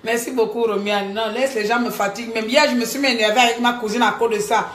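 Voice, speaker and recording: A woman talking to her viewers in a live-stream monologue, animated, scolding and joking by turns. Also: a little high, quick pace. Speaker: livestreamer. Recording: echoey room.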